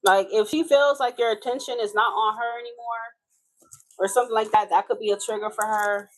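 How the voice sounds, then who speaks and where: A woman's voice: fairly high pitch, fairly even intonation, a little fast, rough recording. A woman from Haiti with a Haitian accent, reading tarot live in a casual, chatty way, swearing and laughing as she talks. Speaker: tarot reader.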